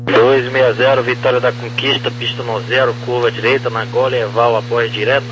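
A man working as an air traffic controller, reading clipped clearances over a crackly aviation radio. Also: medium pitch, flat delivery, moderate pace. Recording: dull, noisy, humming radio transmission.

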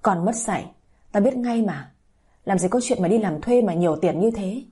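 A woman's voice: mid-range voice, lively intonation, normal speed, mellow, slightly rough. A woman voicing an older village aunt who scolds harshly. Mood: furious. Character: older village aunt, sharp-tongued and furious.

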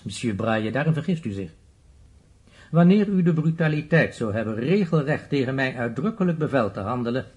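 An actor playing a stern, haughty middle-aged institute director in a Dutch radio play, pompous, clipped and commanding. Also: male voice, medium pitch, a little mellow, close to an everyday voice.

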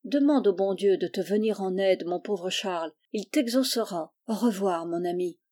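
A woman voicing a gentle, pious blind young girl in a storybook reading, soft, calm and resigned. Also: medium pitch, normal speed, natural voice.

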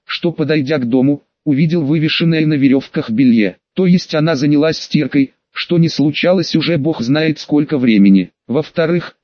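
A man's voice: on the high side, no room sound. A man reading a first-person audiobook in a wry, conversational storytelling manner. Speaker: audiobook narrator. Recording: dull, dry lo-fi recording.

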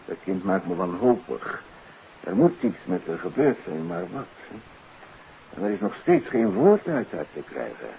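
An anxious middle-aged doctor in an old radio play, with a deep, gravelly voice. He is courteous and hesitant, a troubled father who keeps apologising, on a muffled recording with audible noise. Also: huge pitch swings, normal speed, full character voice. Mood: anxious, distressed. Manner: hesitant, apologetic, often tagging sentences with questioning particles. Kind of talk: 1950s radio drama acting.

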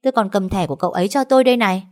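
A woman voicing a defiant, pregnant young female servant in an audio story, speaking in a pert, unhurried way. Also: medium pitch, darkish tone, voice pushed up, close to an everyday voice.

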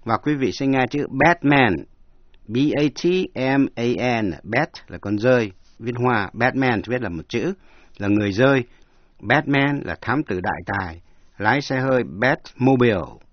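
A man's voice: mid-range voice, animated, a little slow, dry recording, lo-fi sound. A man narrating an English lesson, explaining words and spelling them letter by letter. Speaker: language teacher.

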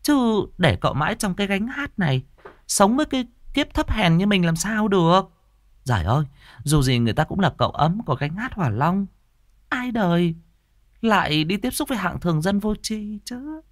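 A male narrator voicing a spiteful young woman singer from a storybook, high and shrill, needling with a gossipy sneer. The voice leaps up and down and is recorded dry and close. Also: very animated, normal speed, no echo.

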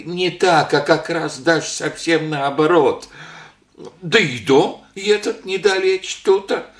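A man's voice: on the high side, measured pace, close to an everyday voice. An actor playing a meek old village grandfather in a radio play, speaking in folksy rustic speech with a hesitant drawl. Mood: pleading. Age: older. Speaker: old father visiting his daughter. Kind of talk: Soviet radio play acting. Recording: roomy old radio studio recording.

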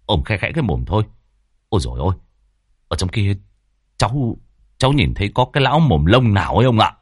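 A man voicing an excitable, gossipy middle-aged village man in a spoken ghost story, exclaiming and rattling on. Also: lowish voice, breathy edge, no room sound, studio quality. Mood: panicky. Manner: fast, panicky and exclaiming.

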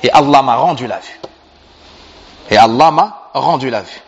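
A man's voice: medium pitch, lively intonation, normal speed, slightly rough, voice pushed down. A man voicing a generous, formerly blind man who speaks firmly and with heartfelt thanks. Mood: grateful. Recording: reverberant hall, dull sound.

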